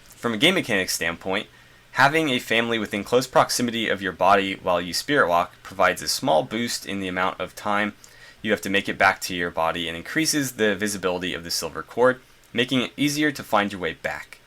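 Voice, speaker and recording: A congested gaming video host reads a game design journal aloud, then adds loose, casual asides with fillers. His voice is lowish, pushed and bright, with lively intonation at a fairly quick pace.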